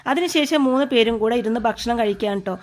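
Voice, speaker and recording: A woman casually retelling a TV serial episode in a chatty way, reading the characters' lines a little louder. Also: on the high side, a little fast. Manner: chatty, keeps adding a friendly tag word, acts out the quoted lines a little louder. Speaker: serial recap narrator.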